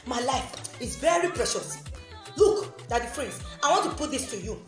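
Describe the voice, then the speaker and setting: A woman's voice: a little high, expressive, moderate pace, reverberant, over music. A woman making an angry, confrontational appeal as a mother, repeating her phrases as she hammers her points home. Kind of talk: angry recorded video rant.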